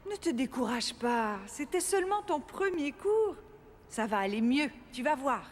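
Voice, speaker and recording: A woman playing a gentle, patient mother in a children's cartoon, speaking in a soothing, reassuring way. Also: high-pitched, sing-song, a little slow, slight background noise. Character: gentle, reassuring young mother of a small boy.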